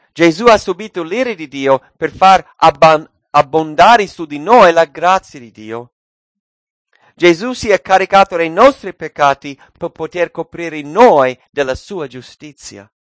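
A man preaching a sermon, swinging between loud, raised cries and hushed, low phrases. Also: no room sound.

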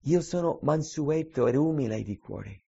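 Gravelly man preaching a sermon. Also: fairly high pitch, lively intonation, dark tone. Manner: emphatic, rising and falling delivery, slows on key phrases. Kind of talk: sermon with Bible reading. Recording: dull lo-fi recording.

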